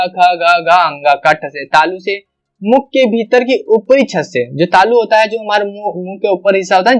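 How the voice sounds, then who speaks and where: A man teaching an online exam-prep grammar lesson, explaining step by step and repeating each sound aloud as an example. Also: high voice.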